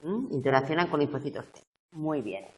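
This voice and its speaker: A woman university tutor going over exam questions slowly, checking whether her students follow. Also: deep voice, animated, far from the mic.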